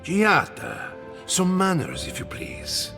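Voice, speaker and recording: A man's voice: sits high, wildly swooping pitch, slow, gravelly, music in the background, exaggerated voice. An actor playing a principled, protective old scholar and mentor, an earnest and courteous man in video game dialogue. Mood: gently chiding.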